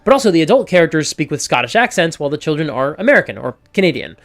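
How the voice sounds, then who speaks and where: A man's voice: on the high side, big pitch swings, racing. A man giving an articulate explanatory video commentary, building an argument with small asides. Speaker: video essayist.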